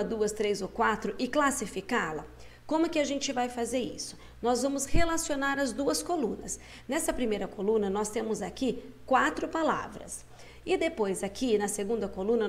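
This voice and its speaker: A woman teacher with a slightly high voice patiently coaxes young pupils through a schoolbook lesson, slowing down to sound out syllables.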